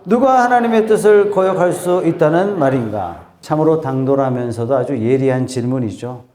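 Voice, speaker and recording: A male pastor delivers a sermon in a slightly high voice for a man. He tells a story vividly, acts out the voices of the people in it, and keeps turning to the congregation with questions. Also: mellow. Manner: asks the congregation rhetorical questions.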